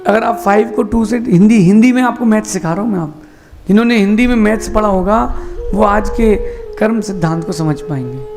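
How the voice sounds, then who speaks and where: A man, a Jain monk, giving a sermon with slow emphatic explanations and rhetorical questions. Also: sits high, vocal fry, music in the background.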